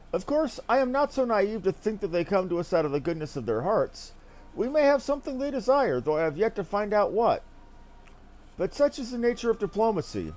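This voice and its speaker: A man's voice: high voice, darkish tone. A man voicing an earnest, self-assured young noble diplomat from a fantasy game, speaking in formal, archaic and declamatory language. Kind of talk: theatrical read-aloud of fantasy game dialogue.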